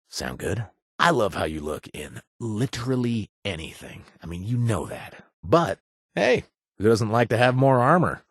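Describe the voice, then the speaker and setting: Husky, low-voiced wry male game companion. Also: no room sound, clean studio sound, heavily acted. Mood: sly, enticing, then flirty, teasing. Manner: hesitant, wry, teasing delivery with trailing pauses. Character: flirtatious wry ex-raider ally, adult man. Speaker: video game companion character. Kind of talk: video game voice acting.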